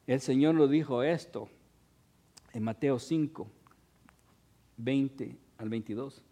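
A man's voice: medium pitch, slow, mellow. A pastor preaching a sermon in a conversational way, asking his congregation short questions and rising in force on key points.

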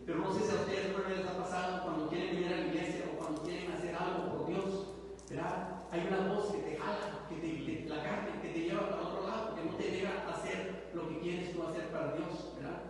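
A man's voice: high voice, fairly even intonation, brisk. A man from Guatemala, preaching a Bible study in a conversational way and often checking in with his listeners. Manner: conversational, constantly tags with rhetorical questions. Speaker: lay preacher. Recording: echoey hall from far off, faint hiss.

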